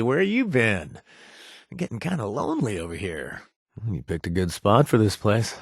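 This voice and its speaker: A husky wisecracking ex-gang bartender. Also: male voice, sits low, dry recording, studio quality, heavily acted. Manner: wisecracking, laid-back. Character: reformed ex-gang man turned bartender. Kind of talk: video game voice acting.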